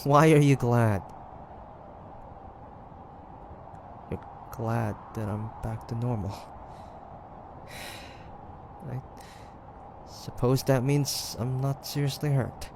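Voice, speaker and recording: A man acting as a guarded young demon hunter in a roleplay audio drama. His voice is gravelly and unhurried, mid-pitched, with hesitant stammers and sardonic edges that hide a soft side. Faint ambient noise sits behind him. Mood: relieved, surprised. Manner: hesitant, stammering, teasing, sighing. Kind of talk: roleplay audio drama, one-sided dialogue.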